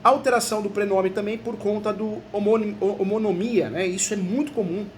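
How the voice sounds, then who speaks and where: A Brazilian man, a law professor, giving a conversational video lesson and often tagging his sentences with quick questions to the viewer. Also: high voice, steady tone, slight background noise. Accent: Brazilian Portuguese. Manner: chatty, peppers talk with tag questions.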